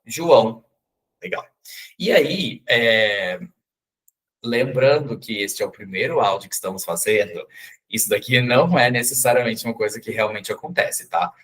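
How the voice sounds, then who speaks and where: Husky, chatty male English teacher. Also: medium pitch, lively intonation, moderate pace, fairly bright tone. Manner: chatty, jokey, explains pronunciation step by step. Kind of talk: casual online class.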